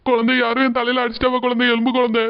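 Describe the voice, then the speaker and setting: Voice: mid-range voice, completely flat delivery, racing, clear, resonant tone, dull audio, natural voice. An actor voicing a meek, hurt cartoon husband who pleads his innocence. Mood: pleading, hurt. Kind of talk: cartoon dub dialogue.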